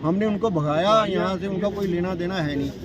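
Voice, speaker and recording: Room echo and background noise are both noticeable. A man speaks in a high voice with fairly even intonation. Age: 70s. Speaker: local resident. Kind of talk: on-the-spot interview statement.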